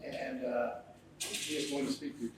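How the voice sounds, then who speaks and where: A man's voice: medium pitch, fairly even intonation, moderate pace. Man introducing artists in a noisy, echoey hall. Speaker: exhibit organizer introducing artists. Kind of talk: introducing speakers to a group. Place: indoor exhibit hall. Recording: echoey, distant, loud clicks and noise.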